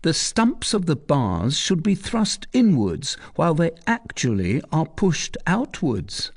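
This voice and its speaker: A man doing an eager, sharp-eyed soldier. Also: fairly high pitch, huge pitch swings, takes it slowly, creaky, pitched above the performer's own voice, exaggerated voice. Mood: pointed. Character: eager male soldier, sharp and self-satisfied.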